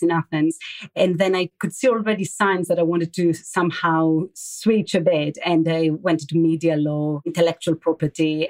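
A woman from Greece with a Greek accent, answering interview questions in a measured, explanatory way. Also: on the low side, darkish tone. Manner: measured, explanatory, slightly hesitant. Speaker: guest.

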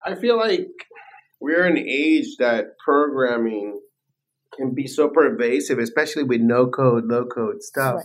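A man's voice: medium pitch, expressive, unhurried. A man interviewing in a casual, conversational style, with an informal and blunt way of talking.

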